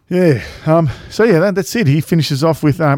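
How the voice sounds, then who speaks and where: A man with an Australian accent uses lively intonation in a dark, mellow tone. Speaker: podcast host. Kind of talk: casual chat.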